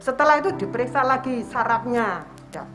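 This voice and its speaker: A woman's voice: fairly high pitch, lively intonation, a little fast, fairly bright tone, faint music behind. Earnest older woman with an East Javanese accent. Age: 70s. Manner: earnest storytelling, acting out her own prayers and conversations. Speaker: church member giving testimony. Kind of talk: personal testimony at a worship service.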